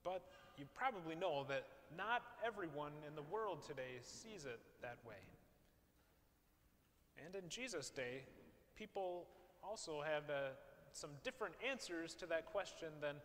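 High-voiced pastor preaching in a reverberant church. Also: male voice, expressive, fairly bright tone. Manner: measured preaching with rhetorical questions. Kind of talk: sermon. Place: large church sanctuary, preaching from a pulpit. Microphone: far camera, pulpit mic. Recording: long church reverb, faint hiss.

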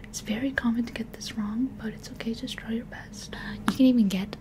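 A woman's voice: on the high side, steady tone, a little fast. Whispering young woman, playful ASMR. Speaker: ASMR video creator.

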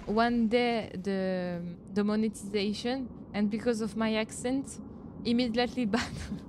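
A woman's voice: fairly even intonation, a little slow, noisy background. French-accented young woman streamer, playful. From France. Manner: playful, bursts into giggles, swings high when protesting. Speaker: VTuber streamer. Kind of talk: casual gameplay chat with viewers.

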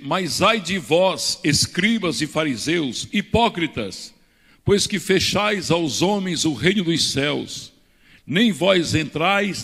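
An older male pastor delivers a teaching sermon from a pulpit, pushing his points with emphatic rises. His voice sits a touch high. It rings out with the long reverb of a church hall, picked up on a handheld mic. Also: vocal fry, a bit bright. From Brazil. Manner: preaching with emphatic rises and hand gestures. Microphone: handheld microphone.

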